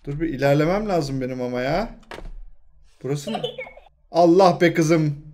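A gaming channel host, a young man, plays a horror game and talks to himself and to the game at a normal speed. He's animated, muttering low, then yelling in fright, and his throat sounds strained from all the shouting.

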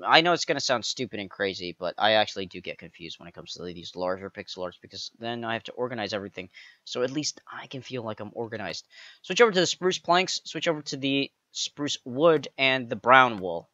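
A man narrating a step-by-step game building tutorial, counting blocks aloud with playful jokey asides and a slightly raspy voice. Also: medium pitch, sharp tone, dry recording, muffled recording. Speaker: pixel art tutorial creator.

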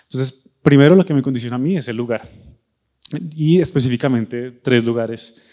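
Warm in tone, with a mid-range voice and moderate pace, a young architect from Bogotá gives a conversational talk to university students. He speaks to them directly in Bogotá Colombian Spanish, using a handheld microphone on a large, dark auditorium stage.

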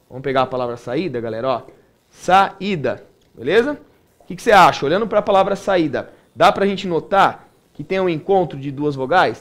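Brazilian male teacher with a somewhat high voice and a relaxed, conversational way of explaining, checking in often with students. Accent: Brazilian Portuguese. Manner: casual, keeps checking in with "né?" and "tudo bem?". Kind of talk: recorded online grammar lesson.

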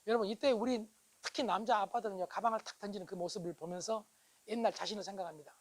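Brisk, high-voiced middle-aged male lecturer who often asks the audience to agree. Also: rough recording. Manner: asks the audience for agreement, swings from loud bursts to hushed asides. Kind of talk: animated public lecture. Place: lecture hall.

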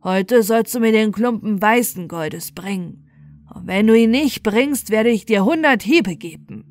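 A woman's voice: mid-range voice, lively intonation, measured pace, natural voice. A woman voicing a menacing old male sorcerer in a fairy tale, commanding and threatening with heavy emphasis. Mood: stern, threatening.

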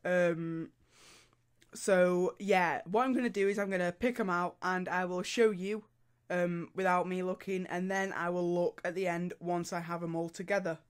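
A man's voice: high voice, normal speed, smooth. A teenage boy with a cold-stuffed voice, chatting casually in his bedroom as he does viewer dares. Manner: chatty, animated, laughs and groans at dares. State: congested from a cold. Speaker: YouTuber. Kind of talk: casual vlog. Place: small bedroom. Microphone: studio mic on arm near camera.

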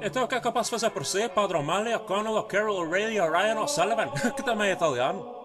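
A man voicing a zealous, hot-tempered priest in a comedic anime parody dub, excitable, with a European Portuguese accent. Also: high voice, quick pace, music in the background, lightly acted. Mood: fervent. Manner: excitable, foul-mouthed.

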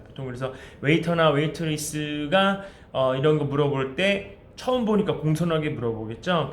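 A man with a fairly high voice teaches basic English phrases in a roomy, echoing space. He pulls the English sentences out slowly and clearly. Between them he explains quickly and coaxes the viewers along with friendly questions. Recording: roomy echo.

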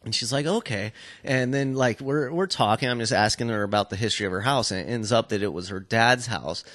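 A man with a mid-pitched voice tells stories in a loose, conversational way. He rambles and swears freely, leaning on "like" as he goes. The sound is dry, with very little room on it. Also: fairly quick, fairly bright tone, no room sound. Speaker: podcast co-host telling stories. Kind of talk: casual profane storytelling chat.

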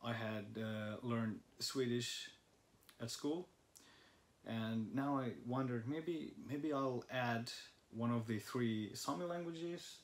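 A man's voice: medium pitch, slow pace. A young man from Finland, a native Finnish speaker, hosting a casual language-study vlog from a living room sofa, thinking aloud with fillers. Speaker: vlog host. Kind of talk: casual chat. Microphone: camera in front of a couch.

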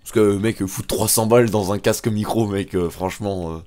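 A man's voice: fairly low pitch, steady tone, moderate pace, a little mellow. A man, chatting casually while playing a game, laid-back and often saying "mec". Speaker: let's play co-host. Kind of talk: casual gaming chat.

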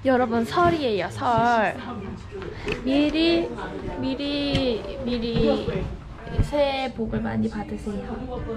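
Young woman, high unhurried voice, teasing backstage vlog chat over crowd chatter. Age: young adult. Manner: playful, teasing, giggly. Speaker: idol group member. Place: backstage waiting room. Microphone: headset mic, handheld camera.

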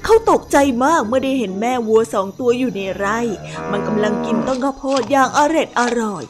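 A woman's voice: a little high, fairly quick. A woman narrating a storybook tale for young children. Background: music.

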